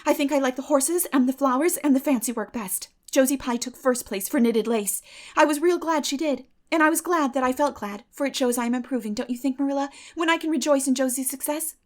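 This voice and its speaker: Woman as an earnest, gushing, high-voiced young girl. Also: close to an everyday voice. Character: chatty, earnest, excitable country girl with romantic fancies. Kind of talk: dramatic audiobook character reading.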